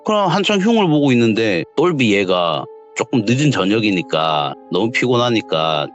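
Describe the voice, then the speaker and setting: A young man, casually telling a true ghost story in a quietly dramatic, conversational way. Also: fairly low pitch, big pitch swings, moderate pace. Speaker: guest storyteller. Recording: lo-fi audio with faint music.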